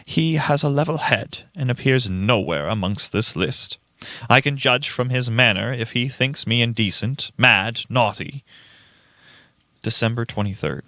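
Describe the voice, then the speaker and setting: Man acting a frantic old man, swinging pitch. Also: pushed and bright, no echo, heavily acted. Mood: agitated. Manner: theatrical, halting, emphatic delivery. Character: frantic paranoid old grandfather keeping a diary. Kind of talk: dramatic horror radio-play diary reading.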